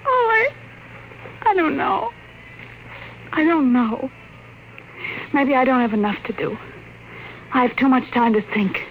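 A woman's voice: sits high, animated, slow pace, long pauses, narrow, tinny audio, exaggerated voice. An actress playing an anxious, restless wife and mother in a 1950s radio drama, fretful and pleading. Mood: uneasy, unhappy. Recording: faintly noisy old radio recording.

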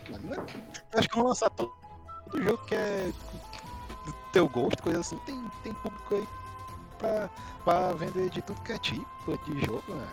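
Man, gravelly voice, glitching choppy call audio, halting and repetitive, music behind. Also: high voice, sing-song. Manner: halting, repeats words while gathering thoughts. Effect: glitching, choppy audio dropouts. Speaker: podcast panelist. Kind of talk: casual gaming chat.

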